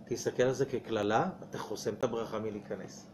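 A man's voice: on the low side, steady tone, noisy background. A man, a rabbi giving a weekly Torah portion lecture. He asks the audience rhetorical questions and acts out little dialogues. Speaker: rabbi teaching Kabbalah.

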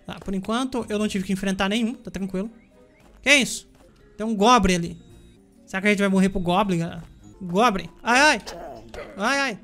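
A man's voice: high-pitched, steady tone, quick pace, fairly bright tone, soft background music. A Brazilian man giving chatty let's-play commentary, talking to viewers and yelping during fights. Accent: Brazilian Portuguese. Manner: chatty, addresses viewers, yelps when playing. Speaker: gaming YouTuber.

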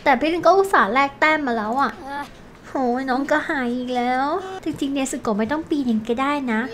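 A woman's voice: high-pitched, fairly quick, fairly bright tone. A woman hosting a gaming channel, chatting playfully to viewers as she comments on her game.

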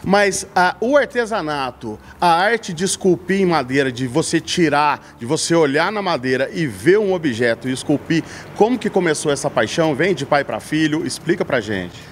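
A man's voice: on the high side, expressive, normal speed, in a large hall, slight background noise. A man in his forties from hosting an interview for a radio station, effusive and full of praise for his guest. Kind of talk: friendly hosting and questions.

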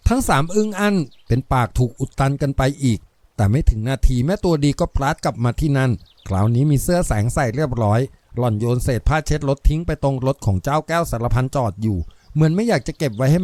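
A man narrating an audiobook novel with steady storytelling. His voice sits at a middle pitch. The recording is dry and close. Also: quick pace, no room sound.

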